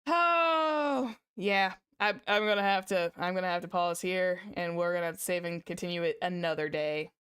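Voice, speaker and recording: A woman streaming casually to her viewers, chatty and repeating herself, her voice slightly hoarse. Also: fairly low pitch, normal speed, fairly bright tone. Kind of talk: casual livestream chat.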